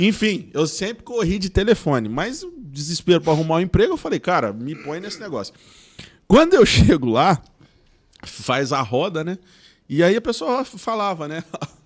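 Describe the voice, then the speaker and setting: At a moderate pace, a man talks in an animated tone, his high pitch making very wide swings. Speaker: naturopathic health specialist and pharmacist. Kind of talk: interview storytelling. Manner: repetitive, halting.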